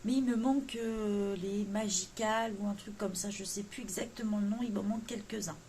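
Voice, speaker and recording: Here the woman's voice is mid-range, steady in tone, a little fast and darkish, with a little hiss or hum. A coloring vlogger, she chats casually about her wish list with many hesitant fillers and jokes about her English accent.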